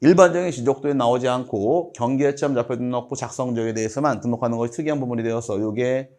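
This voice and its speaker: A man's voice: mid-range voice, fast talker, dark tone. A middle-aged man giving an online exam-prep lecture, methodically walking through a diagram item by item and having students recite terms along with him.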